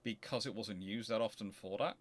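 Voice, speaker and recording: A man's voice: fairly low pitch, fairly quick. Man, emphatic explainer. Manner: emphatic, digressive, self-correcting. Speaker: host answering audience questions. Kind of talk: off-the-cuff explanatory talk.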